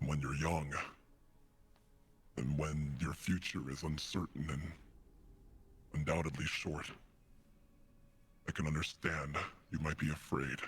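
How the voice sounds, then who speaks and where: Putting on a character voice, a man talks at a moderate pace with a very deep, low pitch, monotone, flat intonation, and long, frequent pauses. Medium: actual play. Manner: measured, formal.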